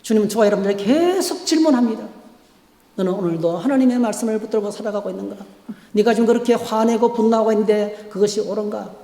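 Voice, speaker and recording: A man preaching a sermon as pastor, emphatic, swinging between loud peaks and quiet stretches. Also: sits high, fast talker, vocal fry. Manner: emphatic preaching with sweeping rises and drops in volume. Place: church sanctuary. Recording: echoey church hall.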